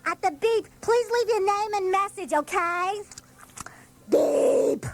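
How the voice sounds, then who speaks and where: A woman's voice: very high-pitched, animated, slow, creaky, exaggerated voice. A woman playing a coy, kittenish dinner date in a comic sketch. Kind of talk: acted comedy sketch.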